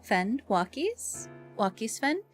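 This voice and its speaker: A woman's voice: on the high side, sing-song, slow pace, faint music behind. A woman hosting a livestream in casual, chatty talk with self-deprecating grumbling, speaking into a streaming mic. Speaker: livestream host.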